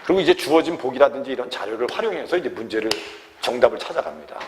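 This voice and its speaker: A Korean language teacher gives an exam grammar lecture to students in a large hall, and a slight hiss or hum runs under the recording. His mid-range voice races along with lively intonation. He constantly checks whether the students have understood and refers to himself in the third person as "teacher."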